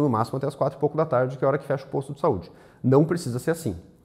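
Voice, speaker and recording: A man's voice at a medium pitch. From southern Brazil, Santa Maria (Rio Grande do Sul); Rio Grande do Sul, Brazil. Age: 20s. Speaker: mayoral candidate, lawyer and former state legislator; candidate. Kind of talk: political interview. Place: studio. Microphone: lapel.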